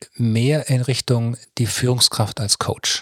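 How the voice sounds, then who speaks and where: A man speaks at a fairly slow pace with a medium pitch and flat, monotone intonation. The sound is dry and close, with no echo. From Swabia, southwest Germany. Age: 50s. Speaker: public agency executive. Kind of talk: interview conversation. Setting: studio. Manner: hesitant with many fillers.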